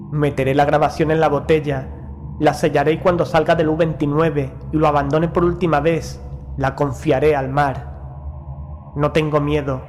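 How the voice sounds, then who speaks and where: A man acts out a Prussian naval commander facing doom in a horror audio story. His voice sits somewhat high, with solemn, formal diction, proud and resolute though haunted by madness. Music plays softly behind him. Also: lightly acted. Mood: stoic resolve. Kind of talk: dramatic audio-story narration.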